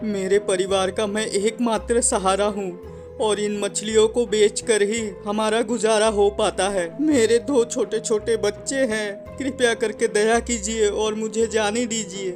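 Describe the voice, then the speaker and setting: A man's voice: high-pitched, steady tone, a little slow, over music. A man playing a meek, worried fisherman and family man in a cartoon, humble in manner. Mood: frightened pleading. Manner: pleading, humble. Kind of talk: Hindi cartoon story acting.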